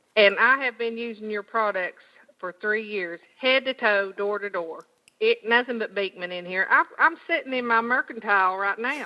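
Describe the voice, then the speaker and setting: This woman has a Southern US accent and a fairly high voice. She talks at a moderate pace with ordinary pitch variation. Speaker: caller. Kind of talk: phone call chat.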